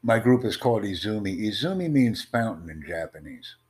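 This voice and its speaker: A man with a very deep, low voice hosts an online chat. He speaks in measured, formal sentences, pitching his ideas like a presentation. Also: very animated, a little mellow. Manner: formal, promotional, measured delivery. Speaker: host of online conversation. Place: in the United States.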